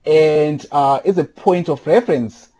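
A man from Zimbabwe answers interview questions from home in a husky, mellow voice. He speaks thoughtfully, pausing often on fillers. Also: a little high. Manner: thoughtful, with many filler pauses. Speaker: podcast guest. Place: home during quarantine.

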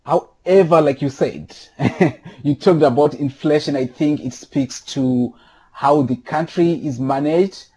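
Podcast guest, male, from Zimbabwe, husky and mellow, thoughtful, many pauses. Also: on the high side. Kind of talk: casual interview answers. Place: home during quarantine.

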